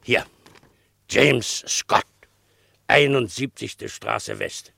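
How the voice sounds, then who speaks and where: An actor playing an obliging, hesitant, rambling garage attendant in a German crime radio play. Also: male voice, mid-range voice, wildly swooping pitch, very slow, vocal fry, sharp tone, heavily acted. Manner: rambling, deferential.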